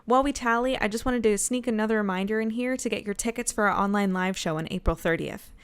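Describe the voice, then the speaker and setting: A woman's voice: medium pitch, fast talker, clean tone. A woman giving an informal promotional announcement for a podcast. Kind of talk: casual podcast promo read.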